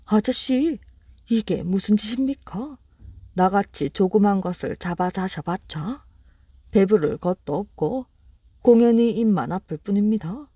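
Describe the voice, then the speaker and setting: A woman's voice: medium pitch, unhurried, dark tone, husky, no room sound, studio quality. A woman voicing a clever, sly little rabbit in a bedtime storybook reading, talking politely and persuasively. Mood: polite coaxing.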